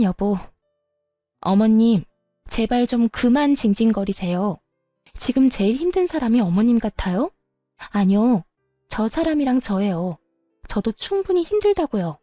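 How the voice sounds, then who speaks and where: A woman's voice: fairly high pitch, lively intonation, moderate pace, mellow, no echo, studio quality, faint music behind, close to an everyday voice. A woman voicing a fed-up young sister-in-law who talks back firmly. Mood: exasperated. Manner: firm, exasperated. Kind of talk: storytelling dialogue.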